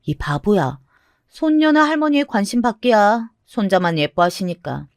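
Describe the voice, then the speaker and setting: A knowing older cousin, voiced by a woman reading the tale, teasing and calling her younger cousin out. Her pitch swings widely, and the close, dry recording has no room sound. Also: animated, moderate pace, no room sound, lightly acted. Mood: irritated. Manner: teasing, mocking.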